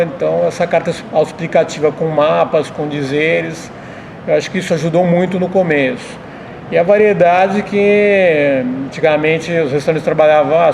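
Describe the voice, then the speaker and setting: A middle-aged man answers interview questions as a restaurant owner, explaining things in a measured way, over faint room noise. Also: a little high.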